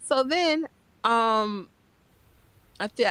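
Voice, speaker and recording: Noticeable background noise surrounds a woman's animated, fairly high voice, which sounds dry and close with no echo. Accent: strong New York. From New York City. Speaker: channel host, fan livestreamer. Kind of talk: casual livestream chat.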